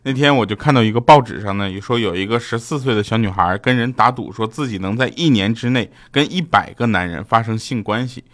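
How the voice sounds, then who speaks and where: A man's voice: mid-range voice, brisk, hardly any pauses. A man hosting a comedy podcast, telling jokes and anecdotes. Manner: animated storytelling, jumps into quoted voices. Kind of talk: casual comic monologue.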